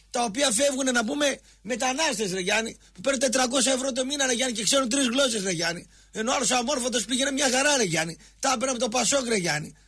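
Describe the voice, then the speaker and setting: Hosting a Greek radio talk show, this man rants at his co-host with real heat, jabbing at him and hammering the same points over and over. His voice sits high and is a bit bright, with a slightly rough texture.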